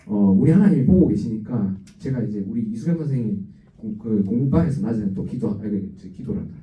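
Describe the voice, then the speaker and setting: A man with a Gyeongsang accent preaching an animated, exhorting youth revival sermon in a church sanctuary. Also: on the low side, quick pace. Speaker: guest preacher. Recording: roomy, dull, distant church recording.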